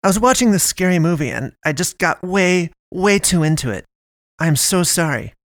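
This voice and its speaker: A frightened young woman who stammers and pleads in a high, tight voice, as a male narrator plays her. The recording is dry and close. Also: lively intonation, moderate pace, no echo. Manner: breathless, stammering.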